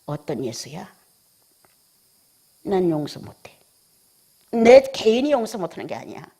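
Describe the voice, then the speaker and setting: Husky woman preaching with dramatic swings. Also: mid-range voice, sing-song, normal speed. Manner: swings between emphatic exclamations and hushed near-whispers; scolding, rhetorical questioning. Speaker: pastor. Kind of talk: sermon.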